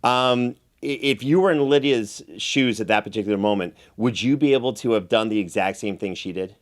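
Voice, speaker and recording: A man's voice: lowish voice, fairly quick. A man hosting a chatty recap show in an enthusiastic, effusive way. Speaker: podcast host and producer.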